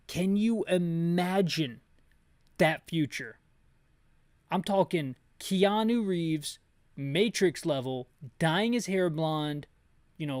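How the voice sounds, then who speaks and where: A man with a slightly higher-pitched voice commentates on a video game in a casual, rambling way. He is sarcastic and nitpicky, and the sound is close and dry. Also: dry recording. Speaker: video game playthrough host and narrator. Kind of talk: casual gameplay commentary with rants.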